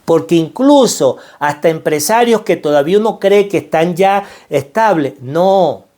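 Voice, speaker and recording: A man's voice: high-pitched, animated, measured pace, dark tone. A middle-aged man with a Venezuelan accent giving an earnest, preacherly motivational talk, repeating phrases for emphasis. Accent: Venezuelan Spanish. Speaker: financial mindset speaker.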